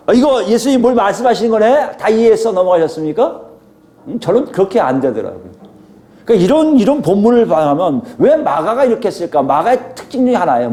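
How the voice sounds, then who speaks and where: Middle-aged male pastor, high mellow voice, animated preaching with rhetorical questions. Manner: animated, acts out quoted scolding with sudden loud jumps. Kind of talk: expository sermon.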